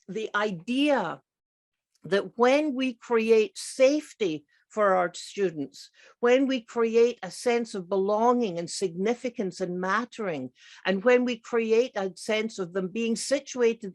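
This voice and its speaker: A woman's voice: a little high, darkish tone. A middle-aged woman with a Scottish accent, giving an emphatic, enthusiastic conference talk as a psychiatrist who repeats her key words. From grew up partly in Scotland. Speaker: psychiatrist and keynote speaker. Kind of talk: conference presentation.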